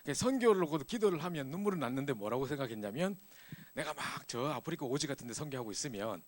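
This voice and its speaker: A middle-aged man preaching to a church youth group, telling a personal story in a lively, animated way. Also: mid-range voice, fast talker. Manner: animated storytelling, acts out scenes. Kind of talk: sermon with personal testimony.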